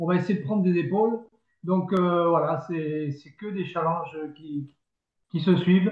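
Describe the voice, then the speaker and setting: A man's high voice, with ordinary pitch variation, moves along at a moderate speed. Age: 60s. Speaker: product user giving testimony. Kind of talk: testimony.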